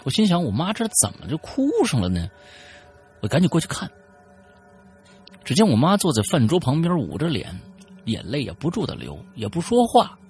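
A man's voice: a little high, wildly swooping pitch, moderate pace, pauses often, a little mellow, husky, faint music behind. A man hosting a show, casually retelling a listener's ghost story with chatty asides and fillers. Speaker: host reading a listener's story.

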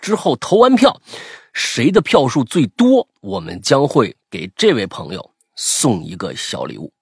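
A man's voice: mid-range voice, very animated, measured pace, gravelly, breathy edge, no echo, clean studio sound. A man hosting a podcast, chatting casually and reading out listener stories, rambling with many restarts. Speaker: podcast host.

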